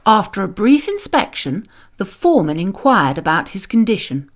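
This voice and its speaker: A woman reading a children's story aloud as narrator, expressive and deliberate. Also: medium pitch.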